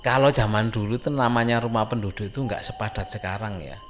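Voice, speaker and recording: With soft music behind him, a horror story narrator speaks a little fast in a fairly low voice. He has an East Javanese Indonesian accent, comes from a Javanese-speaking village in Indonesia, and tells his ghost story informally, building suspense and repeating phrases for emphasis.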